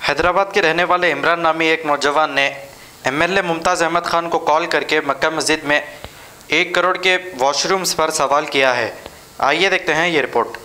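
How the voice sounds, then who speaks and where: A man's voice: a little high, steady tone, normal speed, sharp tone. A man presenting a scripted news introduction.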